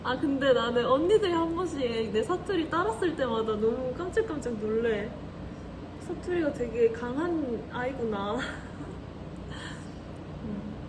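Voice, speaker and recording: A woman's voice: sits high, lively intonation, unhurried. Giggly chatty young woman, noisy background. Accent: Korean regional dialect. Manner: giggly, chatty, reads and answers comments. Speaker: idol livestream host. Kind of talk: casual livestream chat.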